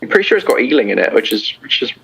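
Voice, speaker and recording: A man on an election stream panel, excitable and quick to argue. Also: medium pitch, creaky. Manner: excitable, argumentative, repetitive. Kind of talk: casual live election commentary. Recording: dull lo-fi mic with faint noise.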